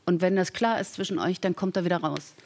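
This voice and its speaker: A man's voice: high-pitched, steady tone, fast, gravelly, a little mellow, a little hiss or hum. A man from eastern Germany chatting as a talk show guest about growing up with his brother. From East Germany.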